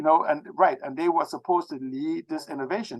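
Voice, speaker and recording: A high-pitched man at a fairly quick pace. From Bahamas. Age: 60s. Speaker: tech expert and futurist. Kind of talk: interview. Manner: halting, many repetitions.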